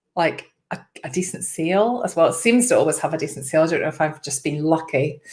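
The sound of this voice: A woman with a Northern Irish accent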